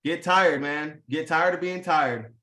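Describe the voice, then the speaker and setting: A man's voice: a little high, a little slow, sharp tone, echoey room. A man hosting a live video call, talking in a casual, pumped-up motivational way, heavy on slang, swearing and fillers. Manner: hyped, profane, full of slang and fillers. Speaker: host.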